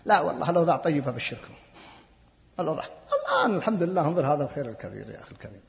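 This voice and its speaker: A man giving a religious lecture and answering audience questions, speaking emphatically and building to forceful appeals. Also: fairly high pitch, huge pitch swings, rapid-fire, gravelly. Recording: long hall reverb.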